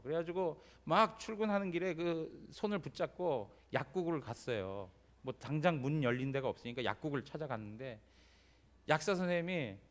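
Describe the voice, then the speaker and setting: In a church sanctuary, a male pastor delivers a Sunday sermon in a voice a little high for a man. He speaks to the congregation like a neighbour, preaching conversationally and frequently prompting them with a quick "예?".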